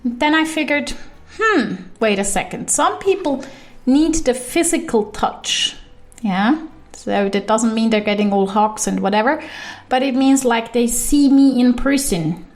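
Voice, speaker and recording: Speaking alone on the podcast she runs, a Swiss German–accented woman who works as an intuition coach delivers an energetic monologue. She leans on sudden rises in pitch to emphasize things.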